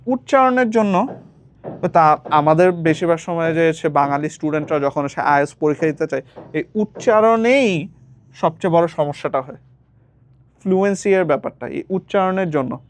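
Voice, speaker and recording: Tutoring a speaking lesson in a relaxed way, a young man repeats words as he explains and drops in English phrases. He talks at normal speed in a slightly high voice.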